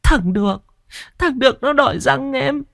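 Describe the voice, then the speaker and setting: A man's voice: very high voice, lively intonation, moderate pace, gravelly, a bit bright, pitched above the performer's own voice, exaggerated voice. Man doing a stammering, terrified young woman. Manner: stammering, wailing. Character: young woman crazed with terror, pleading.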